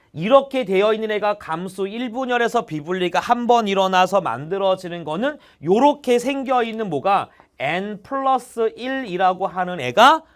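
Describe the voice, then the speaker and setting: Young male tutor, high and lively delivery, exclaims mid-explanation, constant "got it?" check-ins. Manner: chatty, checks in with students constantly. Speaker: biology tutor. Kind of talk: online exam-prep lecture.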